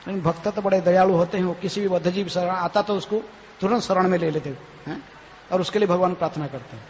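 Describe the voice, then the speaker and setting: A man, a swami, giving a devotional lecture, often tagging his phrases with a questioning "hain?" and chanting scripture verses slowly. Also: high voice, darkish tone. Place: temple hall. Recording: reverberant hall, dull lo-fi, faint noise.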